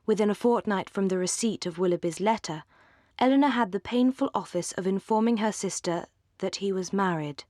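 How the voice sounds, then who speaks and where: A woman narrating a classic novel in a measured, elegant reading that drops low at the ends of phrases. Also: a little mellow, no room sound, studio quality. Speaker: audiobook narrator.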